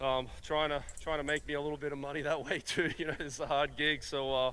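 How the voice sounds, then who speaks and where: Flat, monotone delivery at a fairly quick pace, in an Australian accent. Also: man, fairly high pitch for a man. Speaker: racing driver. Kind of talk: post-race interview. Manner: hesitant, filler-heavy.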